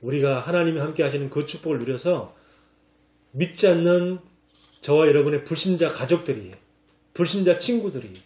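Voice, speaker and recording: A man pastor preaching a lively sermon, acting out scripture in casual slang and laughing along. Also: fairly high pitch, fairly quick, roomy sound.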